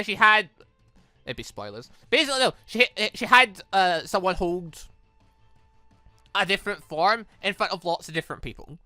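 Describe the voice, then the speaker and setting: A let's play host thinks out loud in a rambling, casual way, reading visual novel dialogue and often repeating or rephrasing it. His mid-range voice is smooth with no room sound, set against game music.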